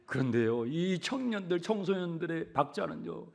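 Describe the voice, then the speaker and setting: Male pastor, sermon, high voice, gravelly, shifts from whispers to loud emphasis, questions the congregation. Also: expressive, normal speed. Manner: swings between hushed whispers and loud emphatic repetitions; conversational, asks the congregation questions. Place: church sanctuary pulpit.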